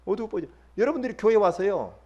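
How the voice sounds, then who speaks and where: Middle-aged male pastor, high and very lively delivery, emphatic sermon with sudden loud peaks and hushed drops. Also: dull audio. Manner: emphatic, swings from loud bursts to low murmurs; acts out quoted church members in quick asides.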